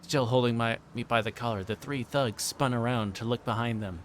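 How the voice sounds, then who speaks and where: A man is streaming a game from home, reading text aloud and chatting in a rambling, joking way. His voice sits at an ordinary pitch, with faint noise behind it. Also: steady tone, fairly quick. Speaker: livestreamer playing a visual novel.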